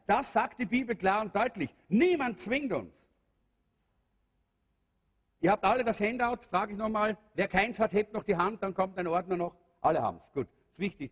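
A man's voice: high-pitched, breathy edge. A man preaching a sermon to a congregation, earnest, with many fillers and rhetorical questions. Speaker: pastor. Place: church hall. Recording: long hall reverb.

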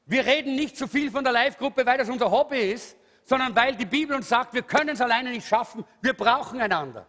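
A man preaching a lively, emphatic sermon, calling out hallelujah. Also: extremely high pitch, fairly quick. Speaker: pastor. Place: church hall. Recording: reverberant church hall.

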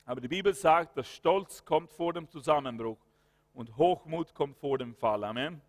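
A man with a fairly high voice speaks at a normal speed, delivering a fervent sermon full of hallelujahs and amens. He breaks into spoken prayer and commands, and the recording carries a long hall reverb.

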